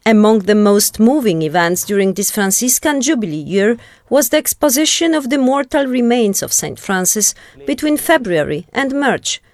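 A woman's voice: a little high, expressive, moderate pace, a little mellow, dry recording, studio quality. A woman reading a scripted television news report as a correspondent.

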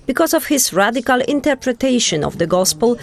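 A woman's voice: a little high, sing-song, fairly quick, creaky. A woman reading a scripted television news report as a correspondent.

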